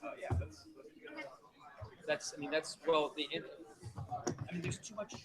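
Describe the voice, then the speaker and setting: A man's voice: fairly high pitch, level tone, measured pace. A man co-organizing a workshop, chatting casually and restarting his sentences. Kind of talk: casual chat. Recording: noisy room with crowd chatter.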